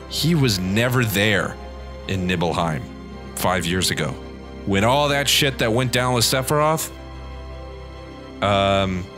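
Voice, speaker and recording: A man with a congested, nasal voice giving loose, rambling let's-play commentary and swearing freely. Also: medium pitch. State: congested from allergies, tired throat. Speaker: gaming channel host. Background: game music.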